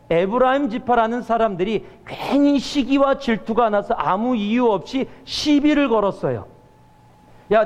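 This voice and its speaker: A male pastor giving a sermon and telling stories with acted-out quotes. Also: high-pitched. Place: church sanctuary. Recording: church hall reverb.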